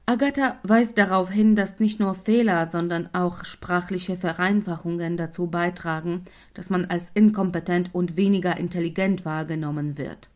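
A woman's voice: lowish voice, fairly even intonation, moderate pace, few pauses, darkish tone. Dry-voiced woman narrating. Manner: dry, matter-of-fact. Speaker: narrator and German teacher. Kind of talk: scripted radio narration.

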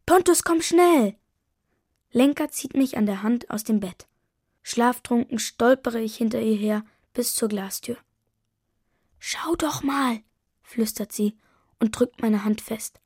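A husky, slightly high-pitched woman reads a children's story aloud with gentle liveliness. She gives the characters small voices of their own. The sound is close and dry, with no room echo. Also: slow, pauses often. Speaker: narrator.

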